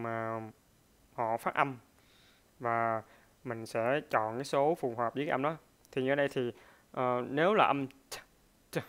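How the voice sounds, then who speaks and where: Man, pronunciation teacher, smooth resonant voice, hesitant with fillers, repeats example words. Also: medium pitch, a bit bright. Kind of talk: pronunciation lesson.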